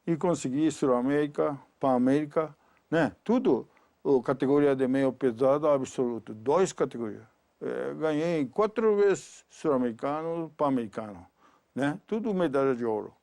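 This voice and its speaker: Older Japanese-accented man, gravelly voice. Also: mid-range voice, lively intonation, darkish tone, dry recording. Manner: halting broken Portuguese with many fillers. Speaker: retired judo champion. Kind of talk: documentary interview.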